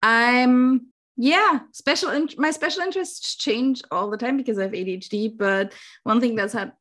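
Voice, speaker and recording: A woman's voice: fairly high pitch, normal speed, a bit bright. A woman, chatting casually as a podcast guest and laughing often. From Austria. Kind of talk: casual chat.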